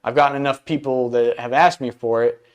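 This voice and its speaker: A young man in his twenties with a smooth, resonant voice, talking about his rental business in a relaxed interview. He speaks easily, with plenty of pauses and fillers. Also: mid-range voice. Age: 20s. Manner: laid-back, hesitant with fillers. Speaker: event rental business owner. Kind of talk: casual interview conversation.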